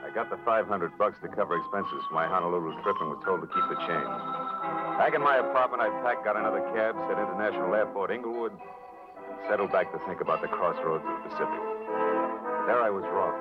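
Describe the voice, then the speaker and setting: Guy acting a low voiced american private eye, sardonic and clipped, old radio show, muffled with loud music behind. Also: fast, close to an everyday voice. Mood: wry. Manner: wry, clipped, tough-talking. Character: hard-boiled, wry male private detective, impatient and sardonic. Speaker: lead actor and narrator. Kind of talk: 1940s-50s radio noir narration and acting.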